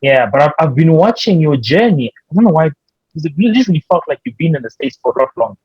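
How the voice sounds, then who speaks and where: A man's voice: fairly high pitch, big pitch swings, fast, slightly rough, no room sound. A man hosting a casual conversation, often agreeing with short words and restarting his questions with stammers. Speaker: host, interviewer. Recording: dry, dull lo-fi audio.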